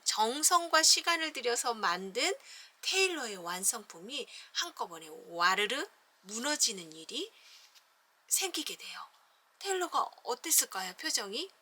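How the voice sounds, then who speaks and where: Bright, expressive woman teacher. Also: sits high. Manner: expressive, acts out the story. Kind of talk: picture book lesson for teachers.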